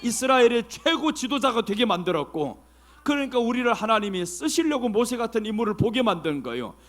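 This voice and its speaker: A male pastor preaching a sermon with passion, firing off rhetorical questions and sometimes shouting. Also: extremely high pitch, very animated, fairly quick.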